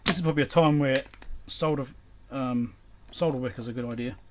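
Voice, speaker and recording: Clear background noise sits around a man with a mid-pitched voice. He talks casually and without a script as he works at an electronics bench, half to himself, in short, broken phrases. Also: a little fast. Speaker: electronics repair hobbyist and video host. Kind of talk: casual unscripted workbench commentary.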